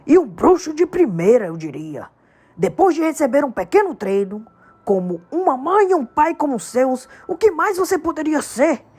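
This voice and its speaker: A woman voicing a huge, gruff half-giant man who bellows in slow, emphatic outbursts. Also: high-pitched, big pitch swings, a little mellow, voice pushed up. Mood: hearty.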